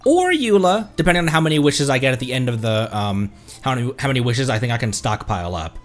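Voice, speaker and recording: A man's voice: medium pitch, very animated, quick pace. A man streaming a game, rambling casually and thinking aloud to his viewers. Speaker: streamer, VTuber host. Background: music.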